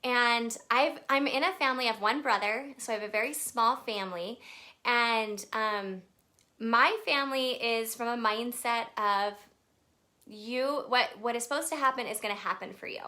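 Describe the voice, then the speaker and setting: Young woman host, bright, somewhat high voice, chatty live-stream storytelling with lots of ums. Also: moderate pace. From Texas. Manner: chatty, with many fillers, greeting viewers mid-story. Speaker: makeup brand artist hosting a live video.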